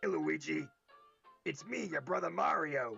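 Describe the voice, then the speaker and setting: A put-on character voice in a low-to-middle pitch moves at a moderate pace as faint music plays in the background. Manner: put-on cartoon character voice.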